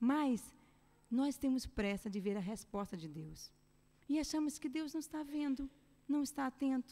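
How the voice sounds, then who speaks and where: A woman with a high voice and a dark, mellow tone speaks at a fairly slow pace. Her intonation is lively, and she leaves long, frequent pauses. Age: 40s. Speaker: preacher. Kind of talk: sermon. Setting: church.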